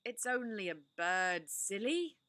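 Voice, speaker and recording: A woman's voice: mid-range voice, sing-song, takes it slowly, sharp tone, no echo, heavily acted. A woman voicing a bad-tempered, tired younger boy in a storybook reading. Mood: grumpy.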